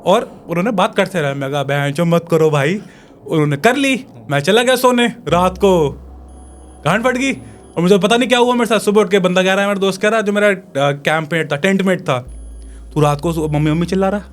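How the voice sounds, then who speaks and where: A young man, a podcast guest, telling a long personal story in casual, animated speech, with crude slang and acted-out moments of fear. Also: high voice, a little fast.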